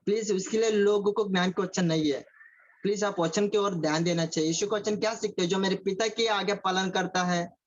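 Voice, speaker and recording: Guy preaching on a video call, mixes in english words, sound is kinda dull and lo-fi. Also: sits high. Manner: repeats phrases and asks the listeners questions. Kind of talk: sermon over a video call.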